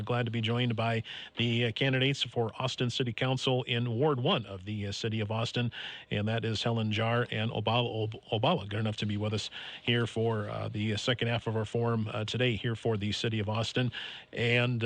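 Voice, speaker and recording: A man's voice: medium pitch, a bit bright, no echo. A man hosting and moderating a candidate forum on AM radio, friendly and full of fillers.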